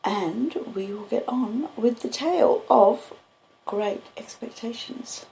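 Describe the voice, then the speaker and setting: A woman with an Australian accent, reading and chatting in an unhurried, cosy storytelling way, recorded on basic home equipment. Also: on the high side, vocal fry, warm tone. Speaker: podcaster and audiobook reader. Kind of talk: relaxed live chat and literary storybook reading. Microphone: laptop and phone microphones. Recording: roomy echo, basic laptop and phone audio.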